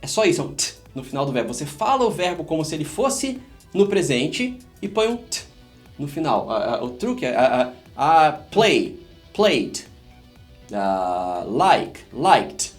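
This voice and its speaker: A man's voice: on the high side, very animated, a little slow, soft background music. A man with a Brazilian Portuguese accent, an English teacher explaining grammar in a casual, joking way and talking straight to his viewers. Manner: chatty, joking, addresses viewers as "gente".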